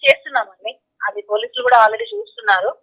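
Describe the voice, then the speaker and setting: A woman's voice: a little high, sing-song, fast, bright, forceful tone, husky. A woman answering questions in a phone interview, speaking insistently and repeating her phrases. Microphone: phone call. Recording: tinny telephone line.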